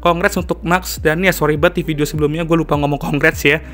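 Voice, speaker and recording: Vlogger, male, slightly hoarse, quick and somewhat high, music bed underneath. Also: fairly even intonation, fairly bright tone. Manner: chatty, slangy Jakarta-style casual talk. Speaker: F1 commentary YouTuber. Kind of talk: casual vlog commentary. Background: background music.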